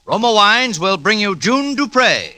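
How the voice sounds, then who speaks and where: A man's voice: high voice, sing-song, a little slow. A man making dramatic, formal 1940s radio announcements.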